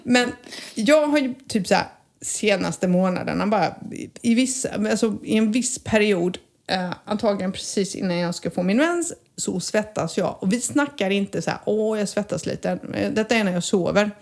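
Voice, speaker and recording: A woman in her forties chatting as a podcast co-host, telling stories in a lively way and acting out the people in them. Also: mid-range voice. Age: 40s. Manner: lively storyteller who acts out voices. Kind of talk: casual podcast chat.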